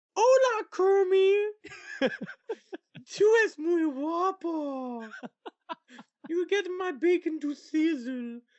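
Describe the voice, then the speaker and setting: A put-on character voice at an extremely high pitch, very slow, with long, frequent pauses. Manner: flirtatious, sultry.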